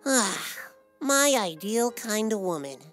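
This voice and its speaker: A woman's voice: medium pitch, expressive, slow, fairly bright tone, soft background music. A woman voicing a lovesick, greedy male black cat sprite with a melodramatic, swooning manner in a cartoon dub. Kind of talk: comic dub cartoon acting.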